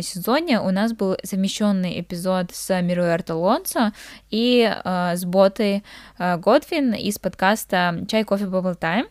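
A woman's voice: medium pitch, a little mellow, dry recording, studio quality. A young woman from Kazakhstan co-hosting a podcast, talking casually with frequent hesitant filler sounds. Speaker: podcast co-host. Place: living in England.

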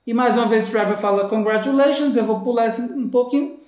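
A woman with a Brazilian Portuguese accent teaching English from a video clip, repeating English phrases slowly and carefully. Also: fairly high pitch, darkish tone, echoey room. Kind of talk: language lesson explaining a video clip.

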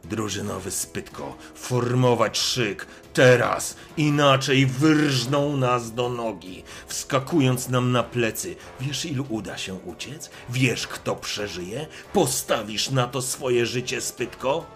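A man's voice: medium pitch, slow, hardly any pauses, soft background music, pitched above the performer's own voice. A man voicing a fierce young male squad commander who bellows orders and swears coarsely. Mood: cold threat.

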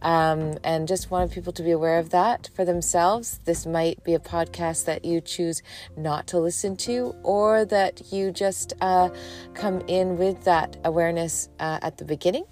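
A woman's voice: fairly low pitch, fairly even intonation, measured pace, darkish tone, soft background music. Gushing, teary woman podcast host. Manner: emotional, gushing, many ums and uhs. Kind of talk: casual chat.

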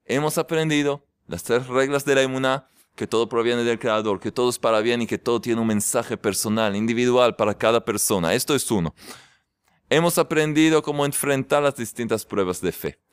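A man's voice: mid-range voice, a little fast, smooth, no room sound, studio quality. Cheerful man leading a faith class. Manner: cheerful and joking, keeps exclaiming with delight. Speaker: religious teacher hosting a faith class. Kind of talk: lively religious class talk. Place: yeshiva study hall.

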